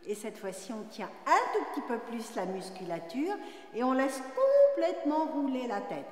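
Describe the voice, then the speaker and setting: A woman's voice: very animated, moderate pace. Woman coaching vocal drills in an echoey hall. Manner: demonstrates vowels on sung, rising pitches between spoken cues. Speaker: dance teacher. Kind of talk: guiding a class through vocal warm-up exercises. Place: large dance studio. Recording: echoey studio with long reverb.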